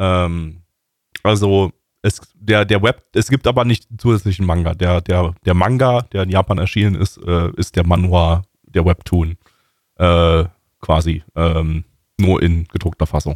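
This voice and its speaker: A man with a very deep, low pitch speaks fairly slowly, leaving long, frequent pauses, his loudness very even and his intonation fairly even. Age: 30s. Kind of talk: casual chat.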